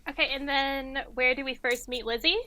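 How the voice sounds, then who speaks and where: Woman, quiz host, high bright voice, casual trivia banter, reading questions aloud. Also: level tone, normal speed.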